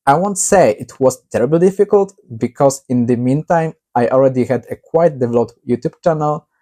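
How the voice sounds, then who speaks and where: Guy reading his own novel out loud, warm mellow tone, steady with lots of little pauses. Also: medium pitch. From Poland. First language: Polish. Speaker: author.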